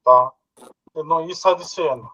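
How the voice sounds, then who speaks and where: A man's voice: on the high side, normal speed, pushed and bright, muffled recording. A Brazilian man in a casual group discussion, thinking aloud with hesitant fillers and short laughs, heard over a video call. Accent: Brazilian Portuguese. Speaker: philosophy study group participant.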